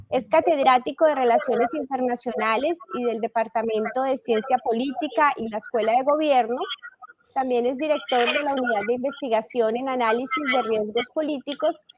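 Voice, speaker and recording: A woman formally introducing a guest speaker from a prepared text. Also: high voice. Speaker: host introducing the speaker, professor.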